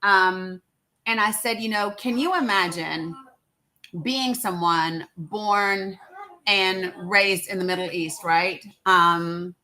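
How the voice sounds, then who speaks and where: A woman hosts a casual chat, rambling quickly and restarting her thoughts. Her voice is bright and sharp-edged at a middle pitch. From Southern United States. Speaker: host.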